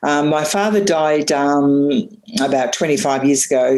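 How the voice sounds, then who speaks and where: Speaking fairly slowly, a woman with an Australian accent has a very deep, low voice. Her tone is dark and mellow, and her intonation is lively. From Australia, north Queensland. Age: 60s. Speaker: coaching client. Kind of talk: personal coaching session. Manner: halting, many fillers.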